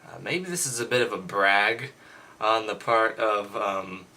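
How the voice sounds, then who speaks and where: A man's voice: lowish voice, unhurried, bright, forceful tone, slight background noise. A man reading aloud casually with off-the-cuff commentary in an irreverent, mocking, skeptical manner.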